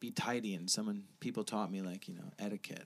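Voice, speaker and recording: The speaker has an American accent and a fairly quick pace. The pitch swings very widely. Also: man. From New Jersey / New York area. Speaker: rapper. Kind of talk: casual chat. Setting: host's basement.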